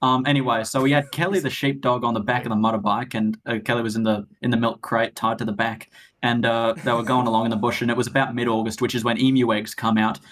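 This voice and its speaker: A man's voice: mid-range voice, flat delivery, fast, a bit bright. A man, chatting casually and telling anecdotes with a dry, wry humour.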